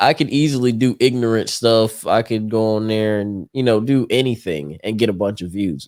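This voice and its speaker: In a very clean recording with a silent background, a man with an ordinary speaking voice talks at a moderate pace and medium pitch, varying his pitch in an ordinary way with hardly any pauses. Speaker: personal finance YouTuber. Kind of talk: interview answer.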